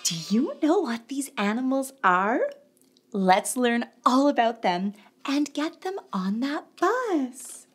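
A young woman teaches toddlers in a bright, sing-song manner, stretching every word out very slowly. Her voice sits high and she slips into playful animal sounds as she goes. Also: sing-song, a little hiss or hum. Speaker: children's show host.

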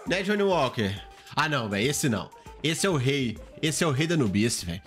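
A man, a gaming YouTuber, reacting to game clips in an excitable, exclamatory way, swinging from jumpy high shouts to low mutters. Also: a little fast, soft background music.

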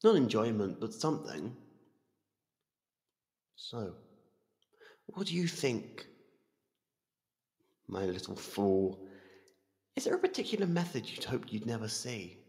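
Guy doing a ancient evil void being for asmr, low gravelly voice, condescending, calm and menacing, huge reverb. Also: exaggerated voice. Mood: quietly menacing. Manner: slow, deliberate, condescending. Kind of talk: ASMR monologue roleplay. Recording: cavernous long reverb.

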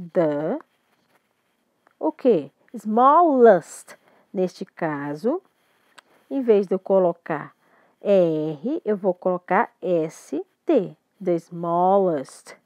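A woman's voice: mid-range voice, sing-song, very slow, pauses often, darkish tone, no room sound. A woman with a Brazilian Portuguese accent teaching an English grammar lesson, patiently explaining and often checking that students follow. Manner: patient, repeats and checks understanding.

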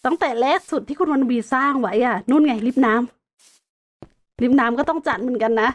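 A woman's voice: high-pitched, a little fast. A woman chatting casually while playing a building game, narrating her moves with playful sound-effect words. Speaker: gaming streamer. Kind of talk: casual Minecraft gameplay commentary.

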